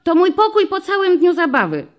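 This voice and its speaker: A woman voicing a bold, chatty little first-grade girl in an audiobook story, speaking high and eager. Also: big pitch swings, fairly quick.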